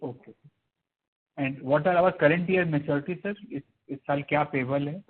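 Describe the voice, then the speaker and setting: Raspy Indian man calling in by phone. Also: fairly high pitch, fast. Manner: deferential, often saying sir. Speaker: caller, investor or analyst. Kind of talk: questions on an earnings call. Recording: tinny narrowband phone line.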